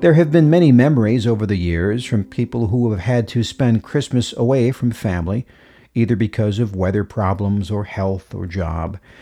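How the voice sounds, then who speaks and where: Against a quiet background, a man with a fairly low pitch and a dark, mellow tone talks with lively intonation. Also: moderate pace. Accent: American. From Minnesota. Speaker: storyteller and podcast host, former radio announcer. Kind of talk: scripted narration of a personal story.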